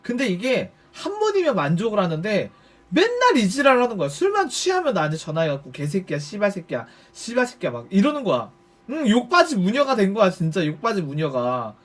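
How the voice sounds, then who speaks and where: Brief: male streamer, high and lively voice, casual storytelling with plenty of cursing. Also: brisk. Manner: animated, swears freely, acts out quoted speech. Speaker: YouTuber storyteller.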